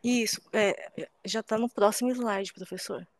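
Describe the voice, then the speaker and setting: A woman's voice: medium pitch, measured pace. Polite woman moderating over a call. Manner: polite and brief. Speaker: event moderator. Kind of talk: brief technical help over a video call. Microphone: video call.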